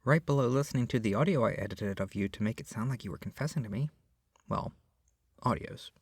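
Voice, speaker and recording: A man playing a lovestruck, clingy young kidnapper in an intimate ASMR roleplay, speaking softly and earnestly with gushing, coaxing tenderness. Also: lowish voice, brisk, no echo, studio quality. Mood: sheepish, earnest. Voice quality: soft, breathy, often dropping to a whisper. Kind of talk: ASMR roleplay, intimate second-person acting. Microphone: close microphone, dry.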